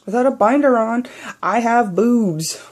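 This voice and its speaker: A young trans man whose voice is naturally high tries to pitch it lower as he talks unhurriedly in a personal video diary. The vlogger is candid and blunt, swearing freely.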